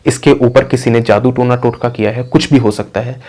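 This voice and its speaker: A man telling a real-life horror story in a low-key storytelling manner. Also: fairly even intonation, a little fast, darkish tone. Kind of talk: storytelling narration.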